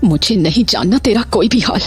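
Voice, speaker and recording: A woman's voice: medium pitch, animated, fairly quick, faint music behind, natural voice. A woman voicing a middle-aged mother who is caring at home but cold and commanding toward her son, in a horror audio drama. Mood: furious. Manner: stern, cutting, commanding.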